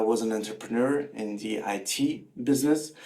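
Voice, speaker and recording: Audible room echo surrounds the speaker. He is a man whose pitch varies in an ordinary way. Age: 30s. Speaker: network marketer, former IT entrepreneur. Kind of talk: testimony.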